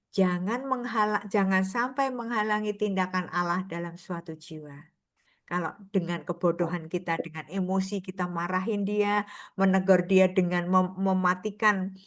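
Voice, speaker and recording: An older woman giving an informal sermon to a prayer group, chatty and anecdotal, often laughing between stories. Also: medium pitch.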